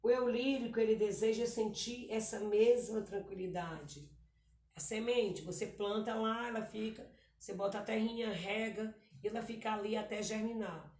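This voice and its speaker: A woman's voice: mid-range voice, moderate pace, a little mellow. A woman teacher, patiently explaining grammar exercises and often checking in with the class. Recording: echoey room, voice far from the mic.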